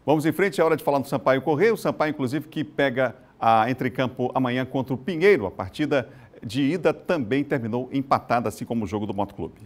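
A man's voice: mid-range voice, quick pace. Male local TV news anchor. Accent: Brazilian Portuguese, Maranhão. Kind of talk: TV news presenting.

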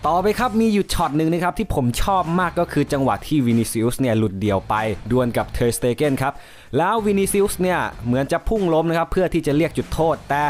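A man hosting a casual football video, chatty and joking, often exclaiming as he reviews a match. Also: on the high side. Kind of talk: casual football commentary vlog.

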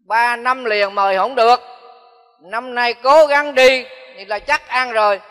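A man's voice: high-pitched, fairly bright tone. An older man, a Buddhist monk, giving a folksy dharma talk that repeats phrases for emphasis. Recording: long hall reverb.

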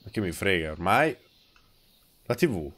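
A man's voice: deep voice, very animated, a little slow, fairly bright tone, a little hiss or hum. A man in his thirties with a nasal, stuffed-up voice, chatting casually and bluntly as he streams a video game, teasing and swearing. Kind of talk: casual live gameplay chat.

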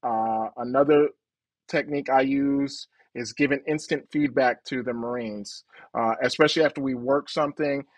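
A man's voice: medium pitch, fairly even intonation, normal speed, no room sound. Matter-of-fact man, dry close sound. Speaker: military band conductor. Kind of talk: video call panel discussion. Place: office. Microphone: video call webcam.

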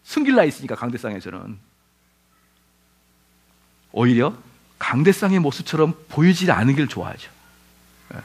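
A man's voice: medium pitch, normal speed, vocal fry, long pauses, breathy edge. A middle-aged male pastor giving a lecture-style sermon, firing rhetorical questions at his listeners and acting out quoted voices. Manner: animated, asks the audience rhetorical questions, acts out quoted voices.

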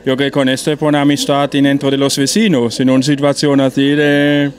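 Man, 40s, flat even voice, restaurant owner, non-native phrasing, handheld mic. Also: mid-range voice, brisk, crowd noise. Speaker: restaurant owner and event organizer. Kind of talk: event interview. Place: busy restaurant dining room, indoors. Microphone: handheld interview mic.

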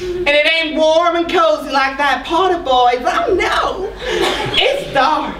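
Casting: brash, domineering pantomime stepmother, very high and theatrical, on an echoey, noisy stage. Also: lively intonation, recorded from a distance, heavily acted. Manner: exaggerated, drawn-out, domineering sassy delivery. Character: brash, sassy, bullying evil stepmother, pantomime dame. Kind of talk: bawdy amateur stage pantomime. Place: theatre stage before an audience. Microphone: distant audience camera.

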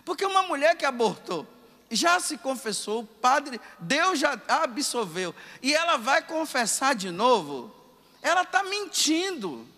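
A man, a priest, giving a lively, conversational sermon and voicing the people he quotes. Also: very high voice, a little slow, long reverb tail.

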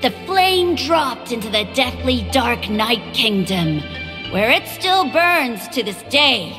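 A woman voicing a boyish young tribal kid who tells legends dramatically and slowly. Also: fairly high pitch, sing-song, in a large hall, music in the background. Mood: dramatic. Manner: dramatic, drawn-out storytelling. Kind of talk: game voice acting.

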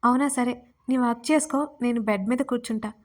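A woman voicing a shy, tender young bride in an audio story, speaking softly and tearfully. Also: a little high, fairly quick, natural voice. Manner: soft, shy, tearful speech.

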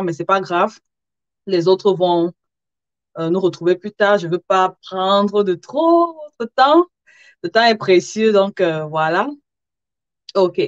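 A sewing content creator hosts a live interview show, chatting informally with viewers, speaking to them directly and chuckling between phrases. She sounds somewhat tired, her voice is medium-pitched with no echo, and the livestream audio is dull and lo-fi.

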